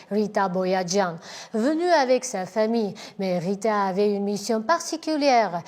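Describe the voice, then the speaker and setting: Woman host, mid-pitched, formal and measured interviewer. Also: a little mellow. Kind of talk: scripted introduction and interview questions.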